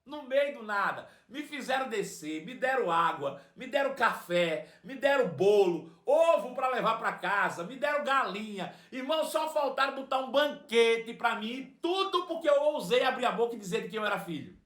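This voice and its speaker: A man with a Brazilian accent preaching a sermon, telling a personal story in an animated way and repeating phrases for emphasis. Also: extremely high pitch, normal speed, few pauses, reverberant. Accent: Brazilian Portuguese.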